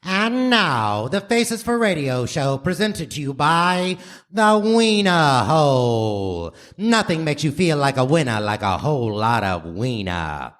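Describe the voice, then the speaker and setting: A man's voice: on the high side, animated, takes it slowly, a bit bright. A man narrating in a grandiose, theatrical mock old-time radio announcer style on a live stage. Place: theater stage before audience. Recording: noisy live theater recording.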